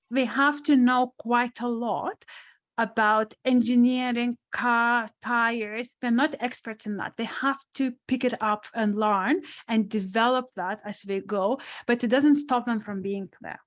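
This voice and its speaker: A woman's voice: on the high side, steady tone, unhurried. A woman with a strong non-native accent, a sports psychologist answering questions on a webinar panel in a thoughtful, restarting way. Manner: thoughtful, many restarts and asides.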